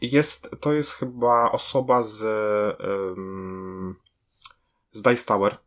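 A man's voice: fairly low pitch, slow. Rambling Polish-speaking podcast man. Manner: animated, rambling with restarts. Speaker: podcast co-host. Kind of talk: casual chat.

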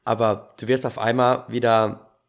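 Male podcast host, relaxed and chatty, swapping personal stories, medium-pitched voice. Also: moderate pace. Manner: animated storytelling, laughs easily, youthful slang. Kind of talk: casual podcast conversation.

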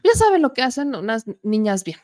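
A woman's voice: a little high, very animated, fairly quick, a little mellow. A woman in her thirties with a Mexican accent hosts a political talk show in a chatty, joking way, still getting over a cough from allergies. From Puebla, Mexico. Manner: chatty and joking, with asides to the producer. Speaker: political commentary host.

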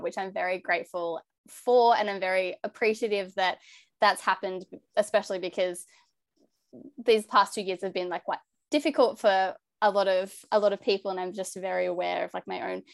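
A young Australian woman with a high, youthful-sounding voice, talking earnestly and chattily as a podcast guest, with plenty of "like" and "um". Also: no room sound, clean studio sound. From New South Wales, Australia. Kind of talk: casual interview chat.

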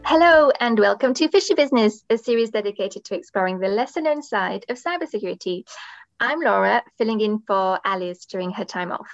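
A woman's voice: medium pitch, expressive, fairly quick, no room sound, faint music behind. A woman hosting a podcast in a conversational interviewing style. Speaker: podcast host. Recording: dull, band-limited dry microphone sound.

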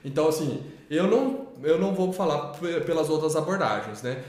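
A man's voice: on the high side, animated, a little fast, a little mellow. A man co-hosting a talk on teaching children to read, rambling with many restarts and tag questions. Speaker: co-host of a literacy channel. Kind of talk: casual explanatory talk. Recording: echoey room.

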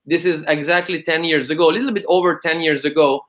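A man's voice: on the high side, fairly even intonation, quick pace, a bit bright. A man, a guest musician talking hesitantly with many fillers over a video call. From Lebanon. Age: 30s. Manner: hesitant, many ums and uhs, laughs often. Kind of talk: casual interview.

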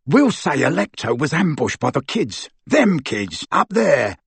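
A man voicing a brutish, crude male henchman who bellows in rough, ungrammatical speech. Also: a little high, big pitch swings, a little slow, no room sound, exaggerated voice. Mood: crafty.

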